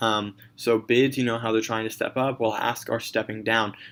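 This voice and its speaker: A man speaks in a flat monotone at a medium pitch on a very clean recording with a silent background. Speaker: trading educator. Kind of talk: tutorial. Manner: fast; halting, frequent stumbles and fillers.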